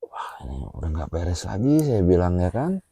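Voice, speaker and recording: A man telling his personal experience in a casual chat, animated and full of fillers. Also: sits low, normal speed, vocal fry, husky, no echo, clean studio sound. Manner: animated, with frequent filler "ah" and "A", acts out gestures while telling.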